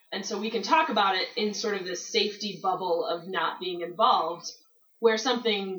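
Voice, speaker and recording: Using an ordinary speaking voice, a woman with an American accent talks at a moderate pace and medium pitch. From Michigan. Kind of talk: casual chat.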